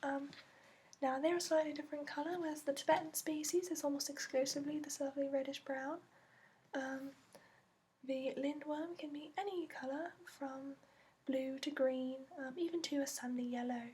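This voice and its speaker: A woman playing a gentle female dragon expert in a soft-spoken, partly whispered ASMR fantasy roleplay, explaining slowly and hesitantly in a put-on accent. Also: high voice, steady tone, slight background noise, lightly acted. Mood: gentle, informative. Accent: put-on, non-native to the performer.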